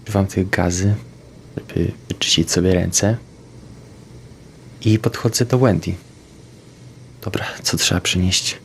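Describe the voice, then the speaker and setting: A man playing a tabletop game, describing his character's actions in the first person, haltingly. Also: low voice, a little hiss or hum. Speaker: player.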